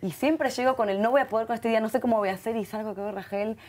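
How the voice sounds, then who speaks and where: A middle-aged woman with an Argentine Spanish accent, a guest in an interview who speaks in an expressive way, often repeating herself. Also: on the high side, very fast. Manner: warm and expressive, many repeated words and Hebrew terms. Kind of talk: heartfelt conversational interview.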